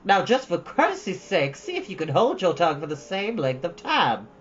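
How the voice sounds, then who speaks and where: A woman's voice: lowish voice, big pitch swings, moderate pace. Woman as a stern older guardian, dull recording. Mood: reproving. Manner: admonishing, firm. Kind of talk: storybook read-aloud. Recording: dull, lo-fi, faint background noise.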